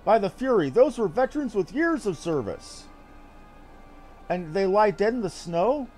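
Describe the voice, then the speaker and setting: A stern fantasy knight officer, voiced by a man, worried and formal. His speech is emphatic and swings in pitch, sitting fairly high for a male voice, with faint game music behind. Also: sing-song, unhurried, a little mellow. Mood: alarmed. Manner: formal, emphatic, archaic phrasing. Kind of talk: reading game dialogue in character.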